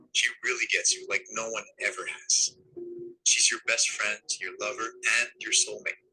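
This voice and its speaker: A man reading a romantic voice-over in a slow, soft and breathy way. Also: on the low side, slight background noise, rough recording. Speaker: voice-over narrator of a played reel.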